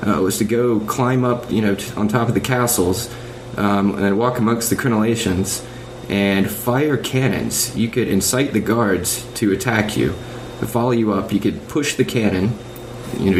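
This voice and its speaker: Low-voiced man on noisy voice chat. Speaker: podcast panelist. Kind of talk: casual video game discussion.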